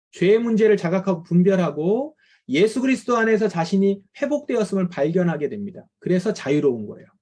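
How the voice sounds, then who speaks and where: A man's voice: high-pitched, dark tone. A middle-aged male pastor preaching to parents in a conversational lecture style, acting out the complaints of tired parents.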